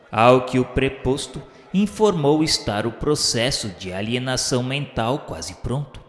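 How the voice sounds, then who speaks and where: Echoing male radio drama narrator. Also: mid-range voice. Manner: formal, literary delivery. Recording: echoing long reverb, music underneath.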